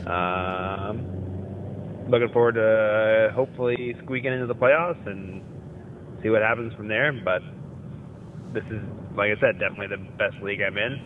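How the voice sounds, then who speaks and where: A man's voice: lowish voice, normal speed, a little hiss or hum. A man leaving a casual, conversational voicemail as a caller, heard over a tinny phone line.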